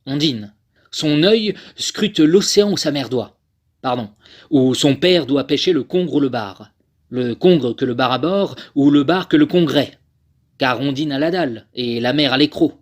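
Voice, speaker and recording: A man, a voice actor, delivering scripted narration in a theatrical, measured manner. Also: mid-range voice, lively intonation. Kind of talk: scripted dramatic narration for a demo reel.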